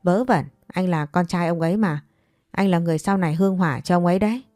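Woman voicing a stern scolding man, low and dark. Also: quick pace, no echo, clean studio sound, soft background music, lightly acted. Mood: impatient. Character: scolding middle-aged man, secret lover.

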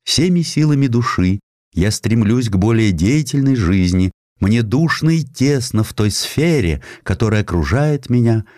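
A man's voice: mid-range voice, expressive, unhurried, darkish tone, no room sound, clean studio sound, voice pushed up, lightly acted. A man reading an audiobook voices a restless, passionate noblewoman's letter in an earnest, dramatic way. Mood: yearning, passionate.

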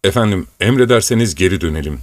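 A man's voice: low-pitched, lively intonation, fast, a little mellow, no echo. A man reading an audiobook voices a worried peasant coachman who pleads and frets, his voice raised. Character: worried male peasant coachman, superstitious and stubborn.

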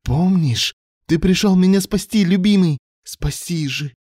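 A man's voice: high voice, a little slow, a little mellow, dry recording, clean studio sound, voice pushed up. A man voicing a hysterical, unhinged young woman who pleads frantically, in an audiobook. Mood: frantic pleading. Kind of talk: audiobook character voice.

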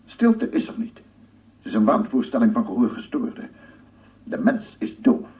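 An actor playing a paranoid, embittered amateur sound researcher in a theatrical radio drama monologue, muttering and proclaiming. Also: male voice, medium pitch, big pitch swings, a little slow, breathy edge, full character voice. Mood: fanatical proclaiming. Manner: theatrical, muttering to himself, repeating words, swelling into proclamations. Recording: muffled narrow-band old radio recording, noisy.

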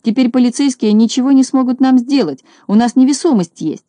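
A woman voicing an excitable little male shorty farmer in a storybook, shouting with excitement. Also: sits high, a little fast, dry recording, voice pushed up, natural voice. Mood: boastful.

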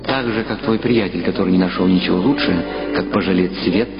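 A man's voice: low-pitched, brisk, pitched below the performer's own voice, natural voice. A man voicing a cool, detached male mentor who speaks dryly and didactically in an audio drama. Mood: sardonic. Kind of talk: literary audio drama dialogue. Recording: dull lo-fi sound under loud music. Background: loud music.

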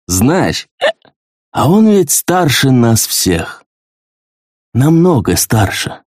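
A man's voice: fairly low pitch, huge pitch swings, slow pace, a little mellow, slightly rough, no echo, clean studio sound, pitched above the performer's own voice, full character voice. A man voicing a talkative army veteran who speaks in a wistful way.

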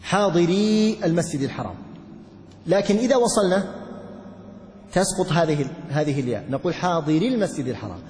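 A male religious teacher giving a classroom lesson, explaining step by step, quizzing his students and chanting verses slowly. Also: high voice, expressive, a little mellow, big-room sound. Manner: recites verses in a slow chant.

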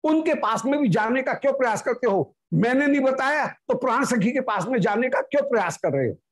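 A woman giving a devotional discourse, reciting Sanskrit verses and then explaining them slowly. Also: on the high side, lively intonation. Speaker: spiritual discourse speaker. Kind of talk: devotional scripture commentary.

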